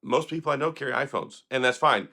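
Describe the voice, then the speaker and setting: A hoarse man, sick for days, hosting an opinionated tech commentary vlog in a sarcastic, critical, rambling manner. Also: medium pitch, fast, sharp tone. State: hoarse, recovering from illness. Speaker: tech video host.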